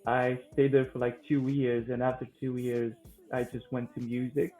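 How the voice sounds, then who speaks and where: A man in his twenties from Romania with a Romanian accent, answering interview questions conversationally in a halting way, often repeating words. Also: mid-range voice, level tone, mellow, faint music behind. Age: 20s. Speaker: guest, vocal coach and singer-songwriter. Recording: thin phone-like line.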